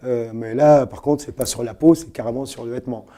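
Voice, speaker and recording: A man's voice: mid-range voice, steady tone, fairly quick, mellow. A man from Cameroon, a guest artist on a web TV set, talking in a casual interview with many fillers and restarts. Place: web TV studio.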